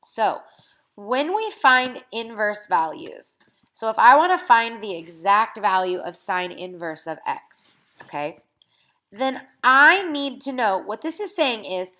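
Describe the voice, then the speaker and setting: A woman's voice: fairly high pitch, bright, forceful tone. A woman teacher with a congested, sniffly voice, patiently explaining a recorded math lesson over her scanned notes and checking in with "okay?" as she goes.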